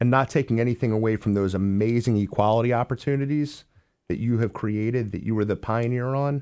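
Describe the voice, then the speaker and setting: A man's medium-pitched voice, dark and mellow in tone, fairly even in intonation, at a very fast pace over a quiet background. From South Jersey. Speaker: radio host. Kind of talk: radio interview.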